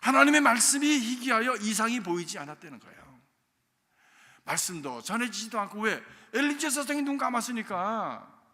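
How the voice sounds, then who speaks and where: A man preaching a storytelling sermon as senior pastor, talking conversationally and swinging between loud emphasis and soft, near-whispered asides. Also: very high-pitched, sing-song, moderate pace. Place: church sanctuary. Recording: reverberant church sanctuary.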